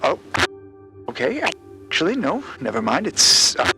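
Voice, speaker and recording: Flustered, high-voiced young-hearted reporter. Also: male voice, huge pitch swings, unhurried, bright, forceful tone, faint music behind, heavily acted. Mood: flustered gratitude. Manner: flustered, stammering, effusively polite. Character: nervous, eager, apologetic journalist on a cosmic expedition. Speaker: actor in a fiction podcast. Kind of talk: naturalistic audio drama acting.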